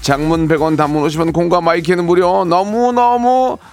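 A man's voice: high voice, fairly even intonation, moderate pace, darkish tone, faint music behind. A man hosting a live radio show, reading listener stories with playful mock-angry outbursts. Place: radio studio.

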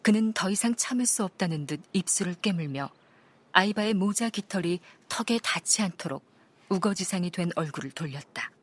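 A woman reads a detective novel aloud as an audiobook narrator, calm and even. Her voice is a little low and slightly husky. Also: fairly quick.

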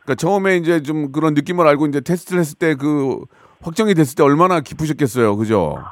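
Jovial male radio host, fairly high voice. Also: fast talker, no echo. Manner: jovial, teasing, chatty. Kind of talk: casual radio call-in chat. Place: radio studio.

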